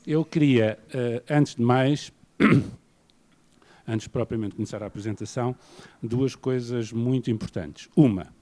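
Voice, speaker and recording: A man from Portugal with a European Portuguese accent, giving an academic lecture in a measured, self-deprecating way. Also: medium pitch, mellow. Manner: measured, self-deprecating, paces around while speaking. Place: lecture hall.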